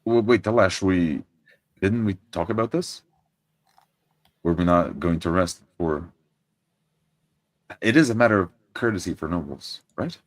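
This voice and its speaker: A man's voice: low-pitched, unhurried, long pauses. A man voicing a courteous armored nobleman in a tabletop game, formal and stammering. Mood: hesitant.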